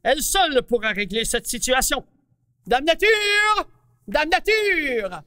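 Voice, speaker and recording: A woman's voice: high voice, sing-song, slow, bright, forceful tone, no room sound, studio quality, long reverb tail, exaggerated voice. A woman voicing a fussy, blustering male mushroom colonel who talks to children in a puppet show. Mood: determined.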